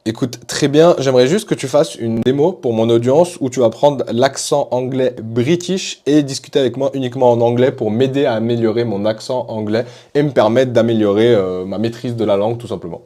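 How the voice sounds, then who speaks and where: A man's voice: mid-range voice, fairly quick, few pauses, dark tone. A man presenting apps in a casual tutorial, talking with enthusiasm. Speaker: tech YouTuber. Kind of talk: app tutorial.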